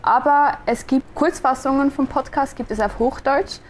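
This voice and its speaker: A woman's voice: high voice, fairly even intonation, normal speed, slight background noise. A young woman from Switzerland with a Swiss German accent, a designer answering interview questions thoughtfully, often restarting as she searches for words. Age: young adult. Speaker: guest, designer and podcaster.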